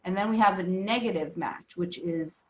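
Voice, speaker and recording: A woman with a Southern US accent leads a class, talking casually with lots of "um"s and restarts. Her voice sits somewhat low, and the sound is roomy and dull, as if picked up across an echoing room. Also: moderate pace, a little hiss or hum. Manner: casual, many fillers and restarts. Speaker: instructor. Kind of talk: live class teaching. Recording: echoey, muffled room sound.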